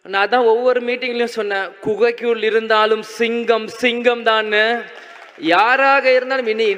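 A young man giving a tearful, halting speech on a large indoor stage into a handheld mic. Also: sits high, a bit bright. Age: young adult. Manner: halting, choked up, restarts often. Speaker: speaker at a memorial gathering. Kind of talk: emotional public speech. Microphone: handheld mic on a stand. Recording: muffled sound in a long-reverb hall.

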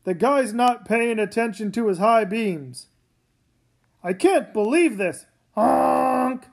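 A woman voicing an earnest father in a comic read-aloud, with her voice lowered. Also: expressive, slow pace, vocal fry, darkish tone, exaggerated voice. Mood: irritated. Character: adult father, easygoing then desperate.

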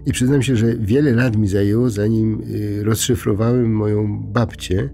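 Gravelly, mellow-voiced priest musing at bedtime. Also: male voice, fairly low pitch, fairly even intonation, faint music behind. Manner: unhurried, conversational, many hesitations and restarts. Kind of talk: informal bedtime reflection.

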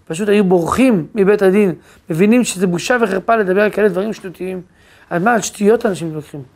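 High-pitched rabbi guy preaching, lively storyteller, does the voices of the people in his stories. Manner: animated storyteller who acts out quoted voices. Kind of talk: religious lecture with storytelling.

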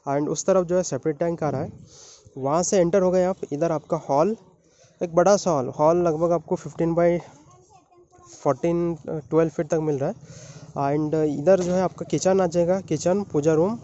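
A young civil engineering vlogger speaks casually in a mellow, slightly high voice with a steady tone at normal speed. He mixes Hindi and English with fillers as he walks through a construction site outdoors. He holds his phone at arm's length, so the recording sounds muffled.

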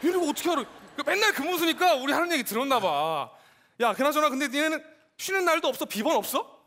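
A man's voice: very high-pitched, big pitch swings, pushed and bright, heavily acted. A comedian playing a cocky, chatty male South Korean soldier who teases and boasts. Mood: mocking. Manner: teasing, boastful, quick. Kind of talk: stage sketch comedy.

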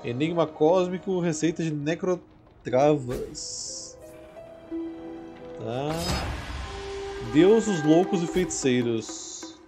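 A man's voice: fairly high pitch, takes it slowly, long pauses. A young adult man with a Brazilian accent giving casual, slangy gameplay commentary, muttering asides to himself. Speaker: gaming streamer. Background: faint game music.

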